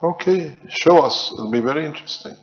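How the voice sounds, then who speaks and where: A man teaching in a slow, measured way, his phrases trailing off at the ends. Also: fairly high pitch, expressive, big-room sound, dull audio, faint music behind. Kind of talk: spiritual teaching lecture.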